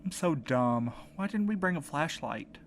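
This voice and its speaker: A man's voice: fairly high pitch, animated, normal speed. A man acting in an audio drama podcast as a desperate, determined husband searching for his missing partner, earnest and hesitant in delivery. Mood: tense, focused. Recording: clear background noise, ambient sound bed.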